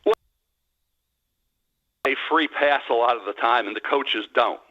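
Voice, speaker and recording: A man in his sixties calling into a sports radio show over a landline phone, giving blunt, emphatic opinions in quick bursts. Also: mid-range voice, sharp tone. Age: 60s. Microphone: landline telephone. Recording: dull lo-fi phone line.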